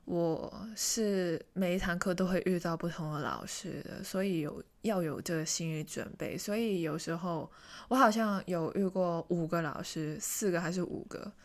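A young woman from Hong Kong casually telling a personal story, chatty and self-mocking, often dropping into hushed asides. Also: lowish voice, moderate pace. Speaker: vlogger.

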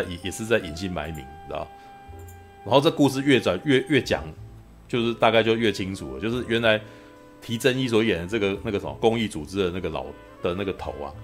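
A man, hosting a podcast in casual chat, rambling and laughing often, tagging "you know" onto his sentences. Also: low voice. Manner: rambling, constant "you know" tag questions, frequent laughter. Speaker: podcast host reviewing a film.

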